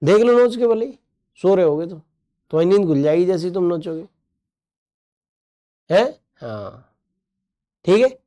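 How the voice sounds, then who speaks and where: High-pitched man teaching an exam-prep class. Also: very animated, a little slow, pauses often, mellow. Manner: playful, joking with students' comments; repetitive drilling of terms with quiz questions. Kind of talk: online exam-prep lesson.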